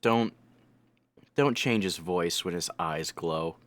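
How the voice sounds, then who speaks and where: A man's voice: low-pitched, slow pace, dry recording. A man giving casual, off-the-cuff reaction commentary, rambling and repeating words for emphasis. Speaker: anime reaction host and reviewer.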